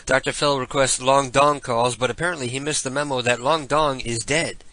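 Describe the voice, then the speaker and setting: A male prank-call radio host chats casually and offhand. His voice is bright and forward. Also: mid-range voice, fairly even intonation, moderate pace, dry recording.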